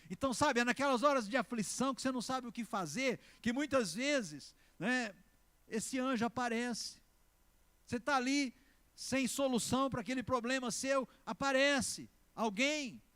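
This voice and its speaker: This Brazilian Portuguese-accented pastor has a very high-pitched voice with a clear, resonant tone. Preaching emphatically, he swings from loud exclamations to slow, stressed words and repeatedly calls on the congregation to answer.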